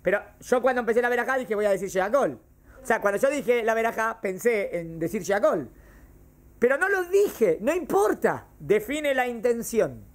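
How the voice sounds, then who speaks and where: A man's voice: high voice, animated, fairly quick. A man teaching a classroom lesson on Jewish law, repeating each case and checking that his students follow. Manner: explains by repeating cases and quizzing students. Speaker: religion teacher.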